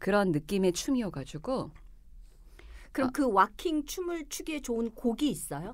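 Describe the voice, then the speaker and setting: On a very clean recording with a silent background, a woman speaks fairly high in pitch at a moderate pace with very wide pitch swings. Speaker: voice actor. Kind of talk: casual chat.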